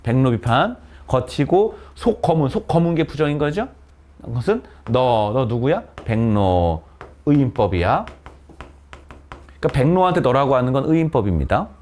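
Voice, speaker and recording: Male teacher, classroom lecture, animated pitch, asks and answers his own questions. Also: normal speed. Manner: lively, questions students and answers himself. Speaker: Korean literature teacher. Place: cram school classroom with students present.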